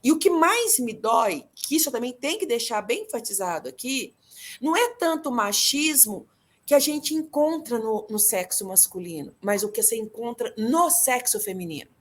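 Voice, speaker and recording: A woman's voice: fairly high pitch, lively intonation, normal speed. A middle-aged Brazilian woman giving an earnest, emotional personal testimony in an interview. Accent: Brazilian Portuguese. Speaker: guest telling her story.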